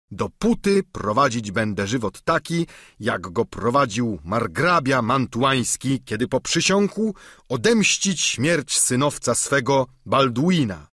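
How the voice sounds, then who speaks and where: A man's voice: mid-range voice, a bit bright, slightly rough, no echo, studio quality, heavily acted. Don Quixote, a man voicing a pompous aging knight. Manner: pompous, declamatory. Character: aging deluded knight, grandiose and solemn. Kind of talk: audiobook character reading.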